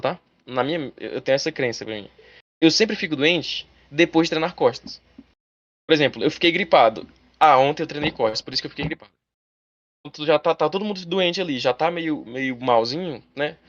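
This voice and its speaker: A male teacher giving a live online class, talking fast and chatty, speaking straight to his students. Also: fairly high pitch, dry recording, highs cut off.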